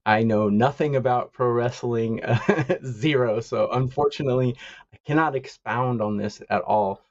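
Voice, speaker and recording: A man talking casually about Asian baseball betting, halting with many fillers and chuckles. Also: medium pitch, no echo, muffled recording. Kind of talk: casual call-in chat. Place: lives in East Asia.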